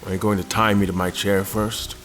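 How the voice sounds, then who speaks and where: An actor playing a weary, formal admiral who narrates his own ordeal in a measured, world-worn way for an audio drama. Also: on the low side, level tone, fairly bright tone, soft background music, lightly acted. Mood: tired, wry. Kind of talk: first-person audio drama narration with dialogue.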